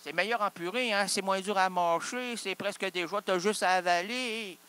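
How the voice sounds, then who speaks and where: A comic performer with a Québécois French accent improvises an absurd monologue, rambling through wordplay and posing and answering his own questions. His voice sits high and sounds sharp, at a normal speed.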